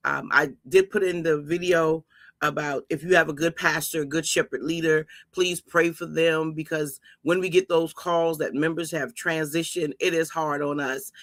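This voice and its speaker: A middle-aged woman, a pastor chatting casually to her livestream viewers, her voice raspy and a little deep today because she is tired. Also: sharp tone, no echo. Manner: chatty, rambling, quick asides and self-corrections. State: tired from an early start. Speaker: pastor and channel host.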